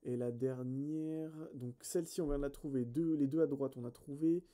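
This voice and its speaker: Male let's play host, deep mellow tone, casual, hesitant self-correcting commentary. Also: fairly even intonation, normal speed. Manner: chatty, addresses viewers directly.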